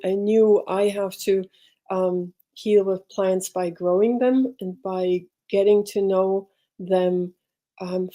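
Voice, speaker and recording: A middle-aged woman speaks as a podcast guest, her voice warm and mellow at an ordinary pitch. She tells her story in a reflective, halting way, pausing and circling back as she hunts for the right words. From Switzerland. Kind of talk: personal storytelling in an interview.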